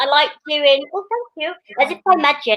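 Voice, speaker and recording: A raised, projected voice with a bright, sharp tone and ordinary pitch variation. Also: woman. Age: 30s. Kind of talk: casual interview chat. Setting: live online show.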